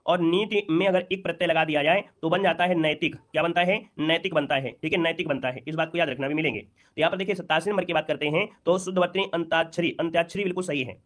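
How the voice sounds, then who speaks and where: A man's voice: fairly high pitch, fairly even intonation, fast talker, fairly bright tone. A man teaching an exam-prep lesson, who repeats each point and keeps checking with rhetorical questions.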